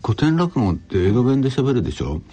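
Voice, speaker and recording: A middle-aged man, a rakugo performer and co-host, explaining things in a relaxed radio chat and chuckling now and then. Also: mid-range voice, a little fast, husky. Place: radio studio.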